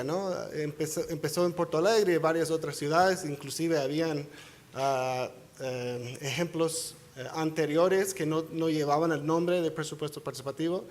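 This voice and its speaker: A man giving an academic seminar talk in Spanish, which is not his first language, with many restarts and fillers. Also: fairly high pitch. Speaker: seminar speaker. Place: conference hall.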